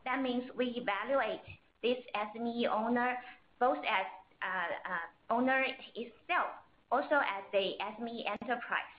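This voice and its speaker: Higher-voiced woman, dull roomy line. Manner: careful, halting non-native phrasing. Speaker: interpreter. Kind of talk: consecutive interpreting on earnings call.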